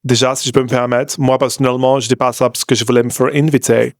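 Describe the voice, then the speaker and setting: A man's voice: medium pitch, level tone, fast, no room sound, studio quality, lightly acted. A man putting on a fake American accent in French. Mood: snarky. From Bordeaux, France. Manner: mock-apologetic, insulting, mixes English words in. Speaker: podcast host. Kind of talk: comedic podcast monologue.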